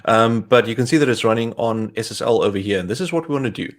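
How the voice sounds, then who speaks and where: A young man with a South African accent, co-hosting a tech stream and talking through a live coding demo step by step in a relaxed way. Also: mid-range voice, fast talker. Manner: talks through steps as he clicks, relaxed. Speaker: co-host, developer advocate.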